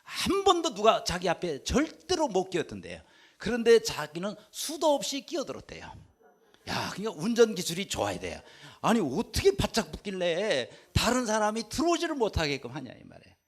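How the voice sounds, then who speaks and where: A man preaching a Sunday sermon as senior pastor, telling an anecdote and acting out the quoted dialogue with lively swings in voice. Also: high voice, fairly quick.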